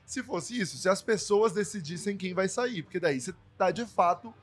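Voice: mid-range voice, normal speed, breathy edge. Co-apresentador tranquilo, voz um pouco rouca, faz perguntas no papo. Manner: relaxed interviewer, asks follow-up questions. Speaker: co-host. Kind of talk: casual chat.

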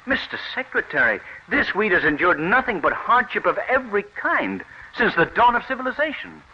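A resolute wheat scientist. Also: male voice, sits high, big pitch swings, moderate pace, breathy edge, exaggerated voice. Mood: earnest. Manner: earnest, resolute. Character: determined American wheat scientist. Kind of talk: 1940s radio acting. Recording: muffled old radio recording.

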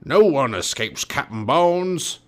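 A man's voice: mid-range voice, very animated, takes it slowly, pitched above the performer's own voice. A man voicing a huge, mean pirate captain in an audiobook, growling and roaring as he bullies. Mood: gruff, roaring.

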